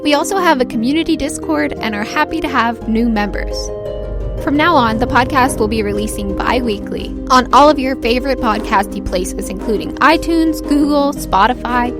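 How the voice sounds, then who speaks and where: A woman's voice: high voice, normal speed. A woman hosting as game master, narrating an improvised tabletop game. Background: background music.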